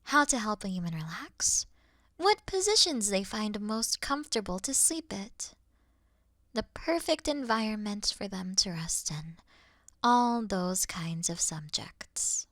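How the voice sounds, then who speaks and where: A woman playing an earnest, awkward moth girl in a sleep-aid roleplay, soft and often whispering, with a gentle, slightly formal manner. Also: mid-range voice, lively intonation, unhurried, no room sound, studio quality. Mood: earnest, soothing.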